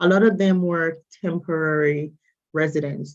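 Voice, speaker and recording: In a Jamaican accent, a woman speaks at a fairly slow pace and a fairly low pitch. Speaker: immigration lawyer. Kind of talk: interview.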